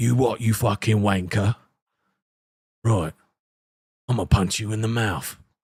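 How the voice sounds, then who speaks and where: A put-on character voice from a man, raspy and fairly low in pitch, in an English accent, at a moderate pace with long, frequent pauses. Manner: aggressive, threatening.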